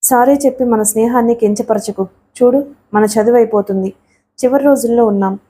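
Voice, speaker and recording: A woman voicing a playful, caring young female student who coaxes her friend with gentle banter. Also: on the high side, a little fast, breathy edge. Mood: coaxing.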